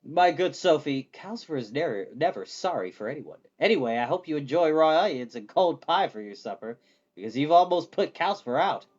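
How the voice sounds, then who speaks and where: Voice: mid-range voice, lively intonation, brisk, a little mellow, dull audio, lightly acted. A storyteller voicing a vain, sardonic young male wizard in a storybook, theatrical and mock-polite. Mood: sardonic, scolding.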